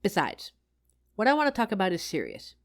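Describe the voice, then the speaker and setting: A woman's voice: mid-range voice, brisk. A woman playing a loving, teasing working wife, tired after work, in an affectionate roleplay addressed to the listener. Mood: tender, tired. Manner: affectionate, playful, expressive.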